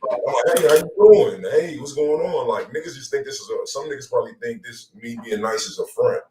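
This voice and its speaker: A man's voice: mid-range voice, brisk, dark tone. A man, hosting an online show in casual, slang-heavy chat. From Los Angeles area. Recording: roomy echo, far from mic.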